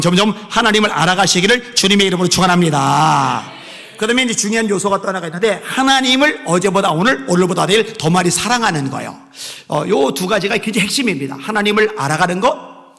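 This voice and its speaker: A man pastor preaching a sermon with impassioned swings between soft pleading and raised exhortation. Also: high-pitched, vocal fry, long reverb tail.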